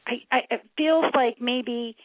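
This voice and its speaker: A woman's voice: a little high, no room sound. Middle-aged psychic woman on a phone line. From upstate New York, United States. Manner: familiar, calls callers hon and sweetie; halting, thinking aloud as she reads. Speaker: psychic reader on a call-in show. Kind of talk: live phone-in psychic reading. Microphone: telephone. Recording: narrow, tinny phone-line sound.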